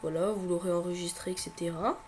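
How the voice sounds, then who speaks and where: A man with a cold giving a hesitant, step-by-step tech tutorial, often pausing and repeating himself. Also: high-pitched, steady tone, a little mellow, a little hiss or hum. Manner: hesitant, filler-heavy, repeats words. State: has a cold. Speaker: tutorial presenter. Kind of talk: screen-recording tech tutorial.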